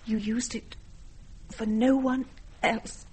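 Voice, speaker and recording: An actress playing a frail young woman who claims to be a lost princess, speaking in a pleading, emotional way that often drops to a hushed whisper, with a slight cough. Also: fairly high pitch, flat delivery, slow, breathy edge, heavily acted. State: has a cough. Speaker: actor in a drama. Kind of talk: stage or radio drama acting.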